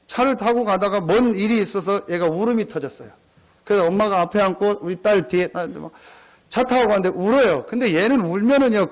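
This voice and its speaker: A middle-aged man preaching a sermon as pastor, emphatic and repetitive, often calling out to the congregation. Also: sits high. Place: church sanctuary.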